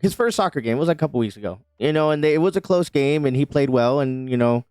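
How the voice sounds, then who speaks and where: A man's voice: mid-range voice, animated, quick pace, darkish tone, smooth, no echo. A man co-hosting a podcast and chatting casually, a father and husband who rambles loosely, swears freely and keeps asking "you know what I mean". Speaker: podcast co-host.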